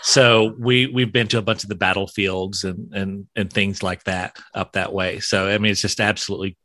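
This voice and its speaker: Podcast host, man with a light Southern accent, bright tone, stumbling but eager. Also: lowish voice, little pitch movement. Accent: mild Southern US. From South Central Alabama, USA. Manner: halting, many restarts, friendly enthusiasm. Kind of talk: casual interview chat.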